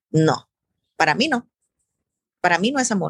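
With a Costa Rican accent, a woman speaks in an animated tone at a fairly quick pace, the sound dry and close with no echo. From Costa Rica, Alajuela. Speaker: former beauty queen and model. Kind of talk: casual interview. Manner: animated, frequent laughter.

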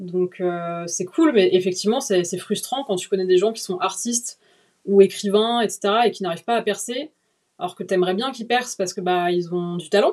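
Moderately paced speech from a woman in an ordinary speaking voice, medium in pitch, with ordinary pitch variation. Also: big swings in loudness. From Paris suburbs, France. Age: 20s. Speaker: freelance journalist. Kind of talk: casual chat.

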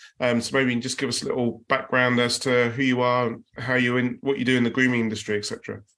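A man's bright, sharp voice, very fast and flat in a monotone. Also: medium pitch for a man, hardly any pauses. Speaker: podcast host. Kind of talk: casual interview chat.

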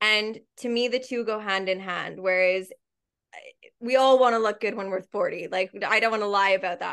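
Her fairly high voice moves at a moderate pace with fairly even intonation. The woman is heard against a quiet background. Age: 30s. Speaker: women's coach. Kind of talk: casual chat.

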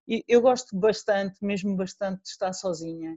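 Dry and close with no echo, a woman's medium-pitched voice carries a dark, mellow tone at a moderate pace. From Portugal, Figueira da Foz. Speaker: traveller and seasonal mountain hut worker. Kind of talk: interview testimony.

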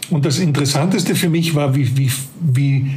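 A man's voice at a fairly high pitch with ordinary pitch variation, with audible room echo and noticeable background noise. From Austria, Carinthia. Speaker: security adviser. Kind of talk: interview. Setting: video call. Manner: loud.

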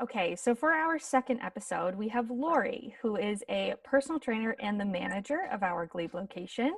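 The speech moves at a moderate pace with hardly any pauses and very wide pitch swings. Noticeable background noise runs underneath. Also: woman, high pitch for a woman. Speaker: podcast host and marketing director. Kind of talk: casual interview.

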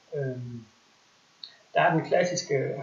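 Through noticeable background noise, a male speaker talks at a very slow pace. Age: 30s. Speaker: role-player. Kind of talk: casual interview. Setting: home living room.

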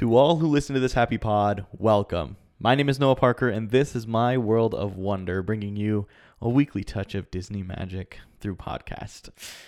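A man with an ordinary speaking voice talks at a moderate pace with hardly any pauses, his fairly low pitch showing ordinary variation, in a very clean recording with a silent background. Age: 20s. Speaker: podcast host. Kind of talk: casual chat.

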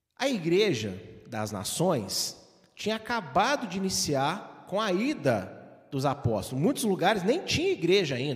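With very wide pitch swings, a man speaks high and fairly slowly amid audible room echo. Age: 40s. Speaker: pastor. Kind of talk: sermon.

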